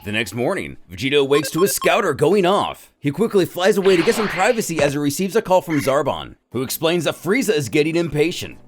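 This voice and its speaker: Higher-pitched man narrating a story. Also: very animated, fairly quick, hardly any pauses, a little hiss or hum. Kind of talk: scripted dramatic story narration.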